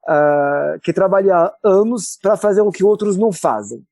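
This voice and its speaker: A French cultural center director, guesting on a podcast, speaks with a French accent in a high-pitched, gravelly, warm voice at a moderate pace. He explains things thoughtfully, hesitating often with filler "ah" sounds, and there's no echo.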